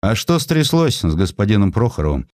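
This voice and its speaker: A man's voice: lowish voice, sing-song, brisk, a little mellow, no room sound, clean studio sound. A man voicing an imperious, capricious eminent doctor, curt and commanding, in a dramatised audiobook. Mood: curt, haughty.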